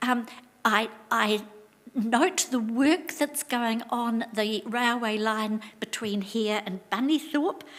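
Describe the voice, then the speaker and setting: Here a woman with a New Zealand accent has a high pitch. She talks at a fairly slow pace with ordinary pitch variation. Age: 80s+. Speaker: member of the public making a submission. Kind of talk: public hearing submission. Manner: halting.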